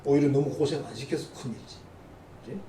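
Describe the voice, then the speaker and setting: A man's voice: medium pitch, quick pace, dark tone, slight background noise. A middle-aged man preaching a sermon as a pastor, in a conversational way with teasing asides to the congregation. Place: church sanctuary. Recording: roomy church sound from a distant mic.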